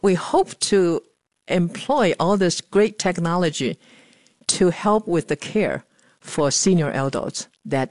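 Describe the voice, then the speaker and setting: A woman in her seventies from Taiwan, talking earnestly about her life in a news feature interview with pauses and fillers. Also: low voice, darkish tone, no echo, clean studio sound. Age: 70s. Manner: earnest, plain-spoken, with frequent pauses and fillers. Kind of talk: personal interview monologue.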